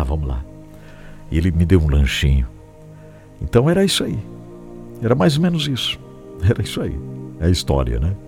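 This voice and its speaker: A man's voice: rumbling low, gravelly, darkish tone. A man with a Brazilian Portuguese accent, a pastor preaching and appealing for donations in an emphatic storytelling manner with rhetorical questions to his listeners. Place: small home studio room.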